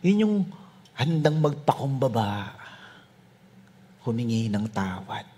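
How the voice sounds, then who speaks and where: A male pastor preaches with humorous, animated storytelling and often drops to soft asides. His voice is husky. His pitch swings widely as he tells the story. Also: slow. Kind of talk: sermon.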